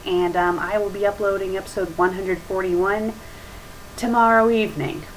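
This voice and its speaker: A woman's voice: mid-range voice, steady tone, moderate pace. Woman web critic, mid-range voice, casual, nitpicking, blunt, slightly noisy webcam audio. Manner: blunt, nitpicking, mildly profane. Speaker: web show host and critic. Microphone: webcam microphone. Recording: noisy webcam microphone with ambient hiss.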